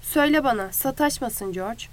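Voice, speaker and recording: A woman voicing a huge, gentle, simple-minded man who pleads timidly in a storybook reading. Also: fairly high pitch, lively intonation, moderate pace, natural voice. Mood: pleading.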